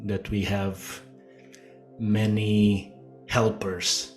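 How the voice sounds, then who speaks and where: A middle-aged man from Croatia, a guest speaking slowly and hesitantly with many fillers in a casual interview. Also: lowish voice, little pitch movement, faint music behind.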